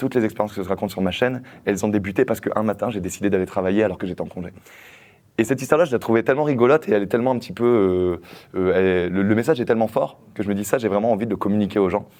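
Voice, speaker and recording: A man races through his words very fast in a fairly low voice. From France. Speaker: YouTuber and actor. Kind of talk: interview storytelling.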